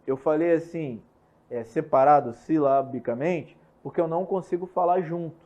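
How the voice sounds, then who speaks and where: High-voiced Brazilian man teaching energetically. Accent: Brazilian Portuguese. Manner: energetic, repeats key points, checks in often with quick questions. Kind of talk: recorded online law lesson. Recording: slightly muffled lo-fi recording.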